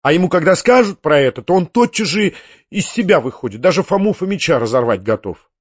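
A man's voice: on the high side, expressive, a little fast, slightly rough, no room sound. A male reader voicing an earnest, reproachful young woman who pleads and scolds in rising exclamations. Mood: bitter. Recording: dull, muffled audiobook recording.

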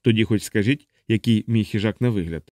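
A man's voice: fairly low pitch, brisk, a little mellow, no echo, studio quality, close to an everyday voice. A man voicing a frightened, sarcastic human traveler in an audiobook. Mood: anxious. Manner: sarcastic, pleading.

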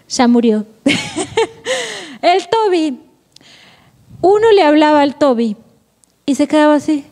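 A woman's voice: high voice, expressive, unhurried, long pauses, mellow. A woman giving a Catholic formation lecture. She is playful, laughs often and asks rhetorical questions. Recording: echoey hall, long reverb.

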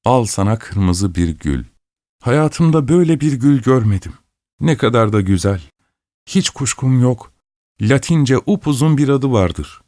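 A man's voice: medium pitch, lively intonation, measured pace, warm tone, dry recording, studio quality, voice pushed up, close to an everyday voice. A man voicing an impulsive, lovesick young student in a storybook reading. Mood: excited. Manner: eager, then bitter.

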